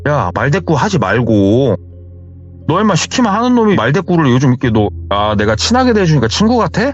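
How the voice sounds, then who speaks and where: A man's voice: on the high side, big pitch swings, fairly quick, voice pushed up. A man playing a foul-mouthed bully of a boss. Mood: scolding. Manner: barking, scolding. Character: foul-mouthed, short-tempered male company boss. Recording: muffled with faint music.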